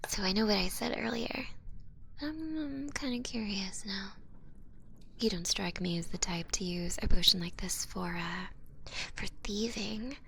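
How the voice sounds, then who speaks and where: A woman playing a cute, sly female goblin potion seller in an ASMR roleplay, smooth-talking and teasing in a soft, half-whispered voice. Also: medium pitch, a little slow, a little hiss or hum. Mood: curious. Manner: smooth-talking, teasing, casual haggler with gentle threats. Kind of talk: ASMR roleplay, hushed and close.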